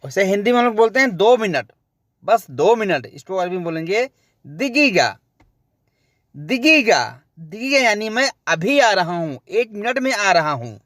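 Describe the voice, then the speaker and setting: A man's voice: high voice, big pitch swings, measured pace, fairly bright tone, no room sound, clean studio sound. A man teaching spoken Arabic phrases, repeating each one and explaining it word by word. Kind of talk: slow spoken-phrase lesson.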